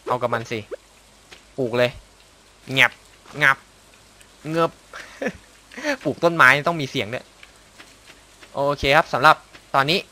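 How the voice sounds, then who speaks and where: Excitable man narrating his gameplay. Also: medium pitch, normal speed, pauses often. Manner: excitable, exclaims and mutters to himself, makes sound effects. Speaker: gameplay commentator. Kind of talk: casual let's-play commentary.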